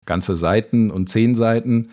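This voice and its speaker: A man's voice: fairly low pitch, a little slow, warm tone. A man co-hosting a podcast in casual conversation. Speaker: podcast co-host.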